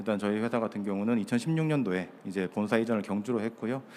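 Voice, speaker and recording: Speaking very fast, a man uses a medium pitch with ordinary variation in it. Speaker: company recruiter presenting at job fair. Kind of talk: presentation to audience. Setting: in-person job fair hall. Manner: formal, polite.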